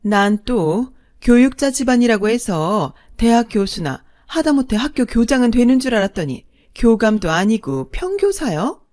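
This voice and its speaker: A woman's voice: fairly high pitch, very animated, moderate pace, few pauses, a little mellow, pitched above the performer's own voice. A woman voicing a scornful middle-aged mistress who talks down to everyone in a condescending, sneering way.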